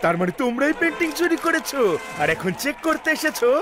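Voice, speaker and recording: Very high-voiced, suspicious cartoon police inspector. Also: male voice, big pitch swings. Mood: suspicious, officious. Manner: theatrical, drawn-out words. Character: suspicious, pompous male police inspector, quick to gush. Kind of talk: cartoon dub acting.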